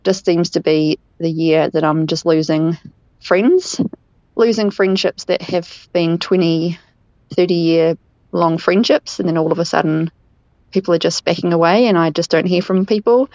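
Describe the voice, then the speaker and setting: A woman from New Zealand with a New Zealand accent, leaving a hesitant voicemail question as a listener and pausing to search for words. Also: lowish voice, a little mellow, no room sound. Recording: dull lo-fi voicemail.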